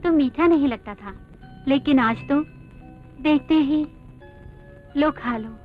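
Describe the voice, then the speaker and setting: An actress dubbing a wise elder sister-in-law who speaks earnestly and persuasively. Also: female voice, high voice, slow, faint music behind. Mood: gentle. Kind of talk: Hindi film dubbing. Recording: tinny narrow film audio.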